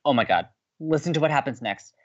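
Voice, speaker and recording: A male actor playing a young campus radio host in an audio drama, gleeful and romantic. His pitch swoops about as he teases and stresses words dramatically. The sound is slightly dull. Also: fast, lightly acted. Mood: animated. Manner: excitable, teasing, dramatic emphasis. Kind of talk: bantering audio drama dialogue.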